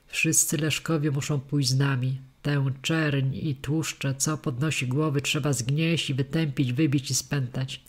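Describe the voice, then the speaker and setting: A man's voice: medium pitch, steady tone, a little slow, few pauses, lightly acted. A man voicing a proud, demanding young male noble heir in an audiobook. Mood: haughty. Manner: haughty, demanding.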